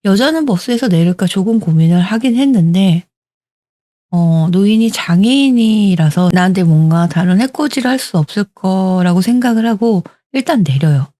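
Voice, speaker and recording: Speaking into a home studio mic, a storytelling host in her forties relates a tale with conversational drama. She sounds animated and mellow, with a medium pitch, normal speed, and no echo.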